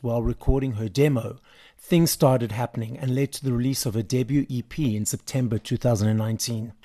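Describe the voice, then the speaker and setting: A man's voice: mid-range voice, dark tone. A man from South Africa hosting an interview show, reading an upbeat introduction and then asking questions. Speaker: host. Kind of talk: podcast interview.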